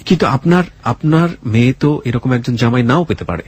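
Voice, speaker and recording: A man's voice: mid-range voice, animated, fairly quick, darkish tone, slight background noise. A man with a Bangladeshi accent hosting a radio show, speaking earnestly and emphatically with dramatic phrasing. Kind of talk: radio storytelling and interviewing. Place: radio studio.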